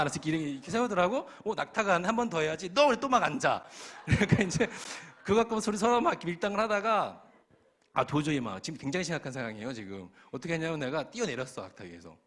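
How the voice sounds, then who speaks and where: A man's voice: high-pitched, a bit bright. A young male pastor telling a funny story in a youth sermon, acting out the voices of the people in it. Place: church hall.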